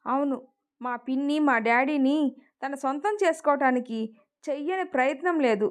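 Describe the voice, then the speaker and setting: A woman's voice: sits high, normal speed, close to an everyday voice. A woman voicing a stubborn young heroine who lost her father, in an emotional story reading. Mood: sorrowful.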